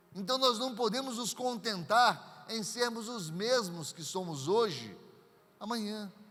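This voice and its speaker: In a room with audible echo, a man talks at a high pitch in a bright, sharp tone, keeping a fairly slow pace with ordinary pitch variation and big swings in loudness. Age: 60s. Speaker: pastor. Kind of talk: sermon.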